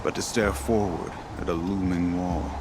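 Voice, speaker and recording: A male actor voices a weary old tribal hunter from a video game. His voice sits fairly low and he speaks with solemn, poetic pride, like a veteran telling his own saga. Clear ambient noise runs behind him. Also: fairly even intonation, lightly acted. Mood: reflective. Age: older. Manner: solemn, measured, poetic storyteller. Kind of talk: dramatic video game dialogue.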